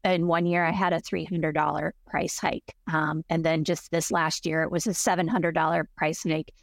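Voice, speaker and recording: A woman's voice: low-pitched, little pitch movement, normal speed, vocal fry, no room sound. A woman in her forties, a renter, speaking plainly and earnestly about her rent. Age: 40s. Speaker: interviewed renter. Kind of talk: interview testimony.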